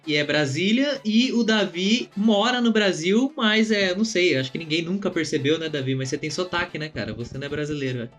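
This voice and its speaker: A man's voice: high voice, a little fast, few pauses, fairly bright tone, soft background music. A Brazilian man hosting a podcast in casual, conversational talk. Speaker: podcast host.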